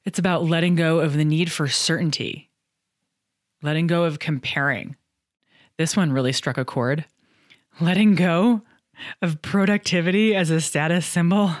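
A woman's voice: low voice, normal speed, pauses often, dry recording, clean studio sound. A middle-aged woman hosting a solo podcast, talking through book reviews in a candid, chatty way with some self-deprecating humor. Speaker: podcast host and coach.

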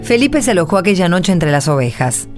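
A woman narrator tells the story of a radio drama from a script. Her voice is on the low side and moves expressively, with music underneath. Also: very animated, fairly quick.

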